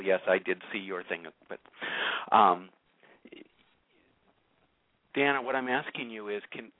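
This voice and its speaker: Pressing, low-voiced radio host. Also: male voice. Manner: probing, challenging, repeats words when pressing. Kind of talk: talk radio coaching a caller. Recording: narrow, phone-like radio sound.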